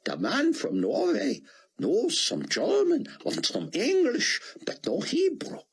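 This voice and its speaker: A man voicing an elderly rabbi scholar, speaking in a hushed, trembling voice that rises high in awe. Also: wildly swooping pitch, takes it slowly, gravelly, breathy edge, exaggerated voice. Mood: awed. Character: elderly male rabbi scholar, awed and fervent.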